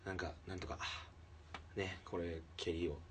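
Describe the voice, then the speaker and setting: A man who hosts a comedy podcast tells a story in casual chat. He acts out the quotes and swings from loud outbursts to hushed asides. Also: low voice, fairly even intonation, a little slow, far from the mic, background noise.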